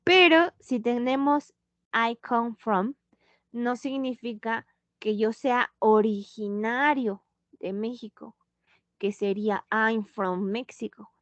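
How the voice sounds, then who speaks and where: Woman English teacher, slow and patient delivery, fairly high voice, dull dry call audio. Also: dry recording. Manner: slow, patient, switching into Spanish to explain. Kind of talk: online English lesson.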